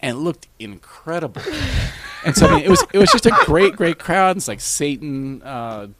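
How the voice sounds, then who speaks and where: A man's voice: on the high side, moderate pace, dry recording. A man telling a long anecdote in casual conversation, with many restarts. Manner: animated, rambling with restarts. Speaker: guest. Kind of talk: casual storytelling.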